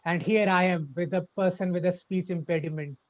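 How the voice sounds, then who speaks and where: A young man telling his personal story as a club speech, halting and repeating words with a stutter. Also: high voice, steady tone. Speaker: club speaker. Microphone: video call. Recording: dull lo-fi online call audio.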